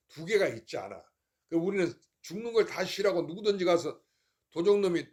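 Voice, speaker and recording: An older male monk with a somewhat high voice delivers an informal temple sermon. He keeps it folksy and rhetorical, checking again and again that his listeners have understood. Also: darkish tone. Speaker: Buddhist monk giving a Dharma talk.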